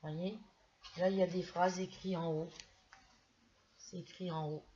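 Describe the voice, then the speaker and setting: A woman's voice: fairly low pitch, fairly even intonation, measured pace, mellow, highs cut off, a little hiss or hum. Chatty grandmother showing a haul. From France. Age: middle-aged. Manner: chatty, hesitant, many restarts. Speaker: craft vlogger. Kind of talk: casual haul video.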